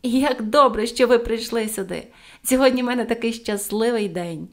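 A woman's voice: fairly high pitch, expressive, moderate pace, natural voice. A woman voicing a cheerful, cheeky little girl in an audiobook, with playful, exclaiming lines. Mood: gleeful. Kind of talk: audiobook character voice.

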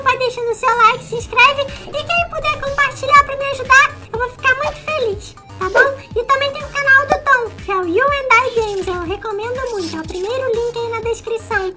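A woman hosting a gaming channel, narrating a game role-play in an excited, chattering, exclamatory way. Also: very high-pitched. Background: music.

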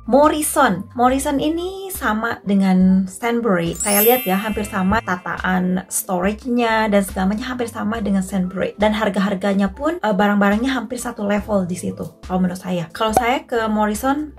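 A woman's voice: medium pitch, moderate pace, faint music behind. A woman in her thirties with an Indonesian accent, chatting casually to camera in her living room and speaking directly to her viewers. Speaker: vlogger. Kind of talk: casual vlog talk to camera. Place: living room at home, indoors.

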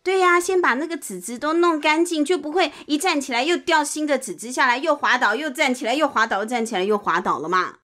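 A woman with a high, bright voice reads a children's story as if to a toddler. She exclaims and poses simple questions as she goes. Faint music plays behind her. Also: lively intonation, quick pace, hardly any pauses. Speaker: host, storyteller. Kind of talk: children's picture-book storytelling. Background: soft music.

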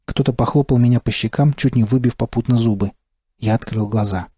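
A man narrating an audiobook in the first person with a steady, terse delivery. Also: medium pitch, brisk, slightly rough, no room sound, studio quality.

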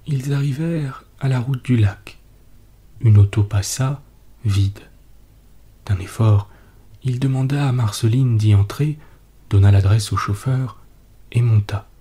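Man, bedtime story reading, slow, very mellow, hushed and whispery. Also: mid-range voice, husky. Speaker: podcast narrator.

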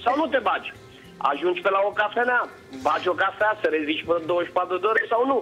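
A man's voice: high voice, animated, pushed and bright. A man, a senior sports journalist, calling in by phone to a morning show and teasing the hosts in a chatty way. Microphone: phone line. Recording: dull lo-fi phone line with music.

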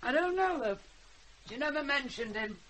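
A woman's voice: sits high, animated, normal speed, a bit bright, a little hiss or hum, rough recording. An actress playing a blunt, wry old country grandmother with a Northern English accent in a radio drama. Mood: homely, matter-of-fact. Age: older. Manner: plain-spoken, dry, homely. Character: blunt, wry old rural grandmother, fond but scolding.

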